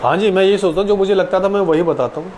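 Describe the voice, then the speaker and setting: A man's voice: sits high, fast talker, darkish tone, slight background noise, low-quality recording. A man in his late twenties, an actor, answering viewers' questions casually and politely on a live stream. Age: 20s.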